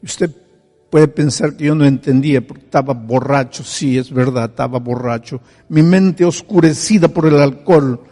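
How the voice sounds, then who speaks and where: A man's voice: mid-range voice, normal speed, close to an everyday voice. Preacher voicing a pleading reformed drunk man. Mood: pleading, emotional. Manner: impassioned, rising to near-shouts. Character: former alcoholic man, pleading and emotional. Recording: echoey hall with faint music.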